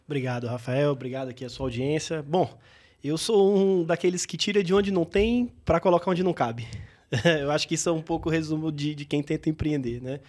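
A man in his thirties from Bahia, Brazil, a business founder telling his story in an interview, reflective and full of pauses and restarts. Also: a little high, darkish tone. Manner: reflective, many hesitations and restarts. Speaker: guest entrepreneur.

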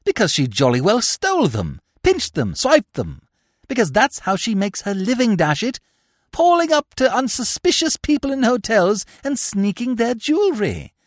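A performer voicing a breezy, dim young gentleman with an upper-class English accent and excitable manner in an audiobook story. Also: mid-range voice, moderate pace, no echo, studio quality, pitched above the performer's own voice. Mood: smug triumph. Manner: excitable, breezy, blithely foolish exclamations.

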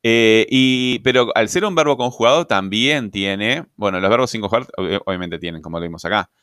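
A man's voice: fairly low pitch, brisk, fairly bright tone, smooth, dry recording, studio quality. A man giving a grammar lecture, explaining patiently and checking in with "¿verdad?" and "este". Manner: explanatory, asks rhetorical questions, frequent "¿verdad?" and "este" fillers. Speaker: grammar teacher.

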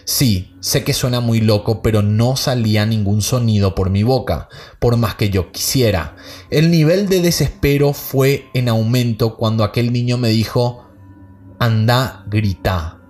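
A man's voice: medium pitch, normal speed, darkish tone. A man hosting a podcast, reading listener stories aloud and then chatting casually about them. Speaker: podcast host.

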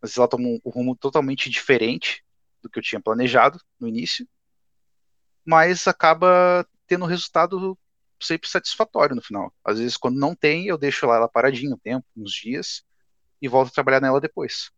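A man's voice: mid-range voice, a little fast, a bit bright, dry recording, muffled recording. A man in his twenties, a guest artist, chatting casually and laid-back on a podcast. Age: 20s. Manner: laid-back, says "cara" often.

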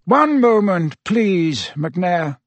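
A man portrays a wise old headmaster from a storybook. He speaks courteously and without hurry, in a lifted, varied voice with quiet amusement running through it. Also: high voice, big pitch swings, very slow, no echo, voice pushed up, full character voice. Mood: politely firm.

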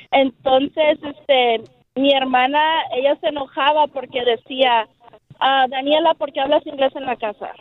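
A woman's voice: sits high, steady tone, measured pace. A Texan woman calling in to a radio show, chatty and laughing as she tells her stories. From United States. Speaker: caller. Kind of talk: phone-in call. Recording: tinny phone line.

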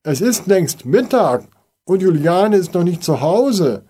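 A frantic, indignant neighbour woman, put on by a male storyteller in a much higher voice. She shouts her words loudly and urgently in a storybook reading. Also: sing-song, slow, husky, full character voice. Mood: indignant shouting. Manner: loud, indignant calling out. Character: upset shouting neighbour woman, worried mother.

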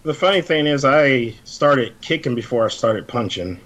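A man's voice: mid-range voice, animated, normal speed, a bit bright, lo-fi sound. A man talking as a podcast guest in a laid-back, blunt, joking way. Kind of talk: casual chat.

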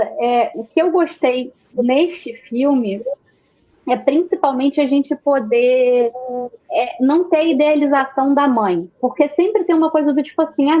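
A woman's voice: high voice, a little slow, dull audio. A woman with a Carioca accent chatting casually about films in informal Rio street slang, with casual swearing. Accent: Carioca (Rio de Janeiro). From Rio de Janeiro, Brazil. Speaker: panelist discussing films.

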